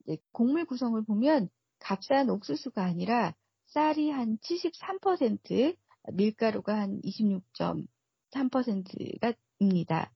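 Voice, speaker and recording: A woman gives formal, prepared expert commentary on the radio. Her voice is fairly high yet creaky and husky. The recording is slightly muffled. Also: no room sound. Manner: formal, explanatory. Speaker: research fellow, expert guest.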